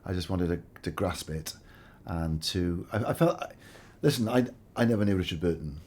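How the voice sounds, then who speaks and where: A man talks about a film in a low, deep voice with a husky, breathy edge. He is earnest and halting, and he often restarts his sentences as he gathers his thoughts. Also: lively intonation, a little mellow. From Wales. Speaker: director. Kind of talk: reflective interview talk.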